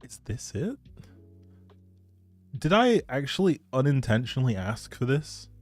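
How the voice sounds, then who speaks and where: Man, dark relaxed timbre, casual livestream gaming chatter, musing aloud, addressing viewers, faint music behind. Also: mid-range voice, a little slow. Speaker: game streamer. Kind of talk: casual livestream chat while playing a life-simulation game.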